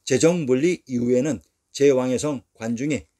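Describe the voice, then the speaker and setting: A man reading a scripted history narration in an even, measured way, going through lists one by one. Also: medium pitch.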